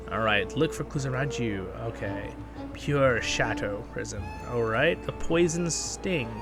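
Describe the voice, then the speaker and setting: A man hosting a gaming channel, giving a casual, rambling gameplay guide and chatting to viewers as friends. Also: medium pitch. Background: game background music.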